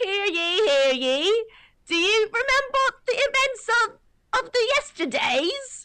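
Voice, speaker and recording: An extremely high-pitched put-on character voice in a British accent, at a fairly slow pace. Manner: loud, proclaiming.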